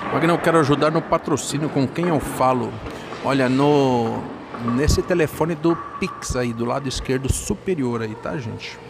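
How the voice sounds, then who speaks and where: A man's voice at a moderate pace, with ordinary pitch variation and noticeable background noise. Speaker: live stream commentator. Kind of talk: commentator reading chat, casual. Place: hall.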